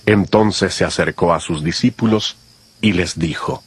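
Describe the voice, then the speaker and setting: A man's voice: sits low, unhurried, slightly rough. A man narrating scripture from a script in a solemn style, as part of a dramatized audio Bible. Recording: music behind the voice.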